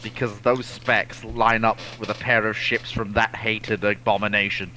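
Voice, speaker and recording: A man's voice: lowish voice, flat delivery, moderate pace, bright, forceful tone, rough recording. A man co-hosting a casual expert chat, speaking emphatically and repeating himself for weight, recorded with some noise. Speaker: co-host answering viewer questions. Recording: clearly audible background noise with clicks.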